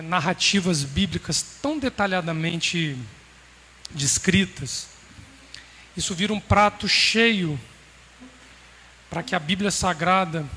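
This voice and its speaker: A man preaching a sermon to a congregation in a measured, emphatic way with pauses. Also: high-pitched, bright, forceful tone. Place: congregation hall. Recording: roomy hall reverb, faint background noise.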